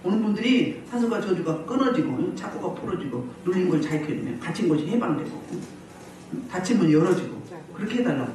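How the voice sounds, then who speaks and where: A woman pastor preaching a healing service sermon, animated, often putting questions to the congregation and laughing as she goes. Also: on the low side, quick pace, slight background noise. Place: church hall. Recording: very echoey hall, mic at a distance.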